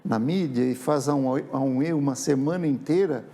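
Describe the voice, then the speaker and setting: A man's voice: mid-range voice, brisk, dark tone. A man, a writer telling stories reflectively in a casual TV interview. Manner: reflective, with frequent tag questions. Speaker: writer and guest. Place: TV studio.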